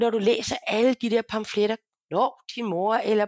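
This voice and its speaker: Fairly high in pitch, a woman talks at a moderate pace in a plain, everyday voice, sounding dry and close with no echo on a very clean recording with a silent background. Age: 40s. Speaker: social worker and consultant. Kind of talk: interview.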